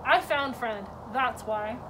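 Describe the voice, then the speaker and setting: A big, lonely male tiger from a storybook, played by a woman, growling as he talks. The sound is distant, with clear noise behind it. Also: a little high, slow. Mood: growling, friendly. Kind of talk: children's storybook read-aloud.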